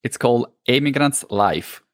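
Halting Italian man with a hybrid accent. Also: medium pitch, expressive, no room sound, studio quality. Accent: Italian, mixed with New Zealand English. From Italy. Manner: halting, searches for words, many restarts. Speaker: guest, podcast host. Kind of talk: casual interview.

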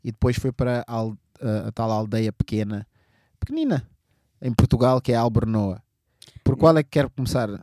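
A man's voice: mid-range voice, normal speed, warm tone, no echo, clean studio sound. A man hosting a podcast, greeting listeners and questioning his guest with formal courtesy. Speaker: podcast host. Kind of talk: conversational interview.

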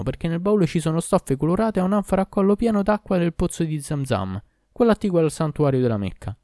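A man voicing a quick-witted young servant woman who pleads urgently, in a storybook reading. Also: a little high, warm tone, no echo, clean studio sound, voice pushed up.

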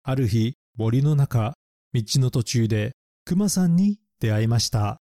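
A man narrating a bilingual lesson, explaining English words slowly and spelling them out letter by letter. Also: mid-range voice, lively intonation, dark tone, dry recording, clean studio sound.

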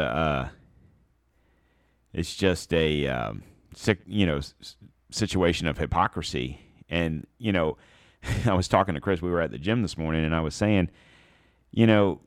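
A man's voice: low voice, dry recording, studio quality. A man hosting a podcast, giving blunt, sarcastic political commentary in a rambling way with many fillers, a little stuffed up. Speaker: podcast host.

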